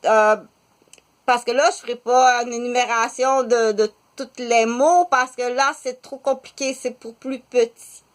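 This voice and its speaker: A woman in her fifties with a Québécois French accent, talking slowly in a halting monologue full of filler pauses. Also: fairly high pitch, steady tone. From Quebec. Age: 50s. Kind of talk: casual spoken monologue.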